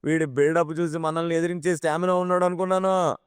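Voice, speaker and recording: An arrogant, drunken young office bully, voiced by a man, drawling his taunts slowly in a raised, mocking tone. He sneers and threatens like he owns the place. The sound is close and dry, as in a studio. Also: fairly high pitch, little pitch movement, smooth, no room sound, voice pushed up, close to an everyday voice. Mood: sneering. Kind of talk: audio drama acting.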